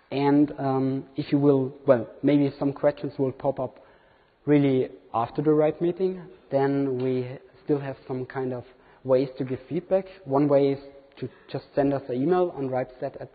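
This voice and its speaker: Man presenting, non-native speaker, hesitant with fillers, long hall reverb, tinny phone-like sound. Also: medium pitch. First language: not English. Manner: hesitant, many fillers and restarts. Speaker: conference presenter. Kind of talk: live product demo talk. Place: large conference hall. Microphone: room recording from far camera.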